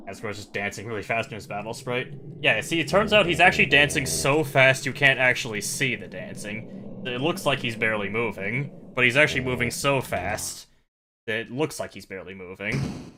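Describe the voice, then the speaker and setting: Over music in the background, a man of medium pitch speaks with very wide pitch swings and big swings in loudness. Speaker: video game streamer. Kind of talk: live stream commentary. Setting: live stream. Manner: halting, repeats words; hasty.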